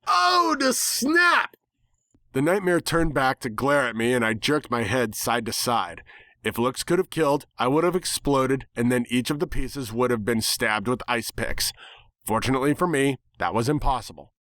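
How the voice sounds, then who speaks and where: Male narrator for dramatic fiction reading, medium pitch, dry recording. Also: moderate pace, a bit bright, no echo. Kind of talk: dramatic scripted story narration.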